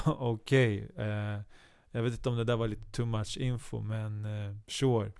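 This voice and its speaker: A man hosting a comedy podcast, rambling and halting with many restarts. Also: fairly low pitch, flat delivery, creaky, a little mellow, smooth. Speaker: host.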